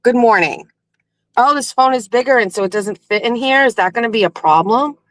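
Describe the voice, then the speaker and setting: A woman's voice: a little high, fairly quick, fairly bright tone, dry recording. A woman hosting a casual morning show from her car, chatting and laughing with a slightly scratchy, just-woke-up voice, speaking into a phone in a cradle. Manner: chatty, laughing, rambling asides. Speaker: host. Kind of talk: casual morning chat while driving. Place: inside a car.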